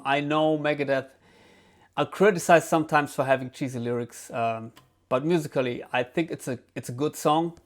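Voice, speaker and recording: A man with a German accent, a non-native English speaker, giving a casual album review with many pauses and fillers. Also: medium pitch. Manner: relaxed, hesitant, lots of ums and restarts. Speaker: guitar channel host.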